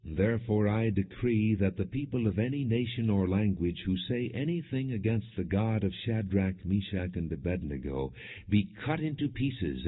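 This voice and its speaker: A man with a low, slightly rough-edged voice narrates scripture in a measured and solemn way. He reads from a script without dramatizing it. The recording sounds narrow and muffled. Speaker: audiobook narrator. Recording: dull, muffled lo-fi audio.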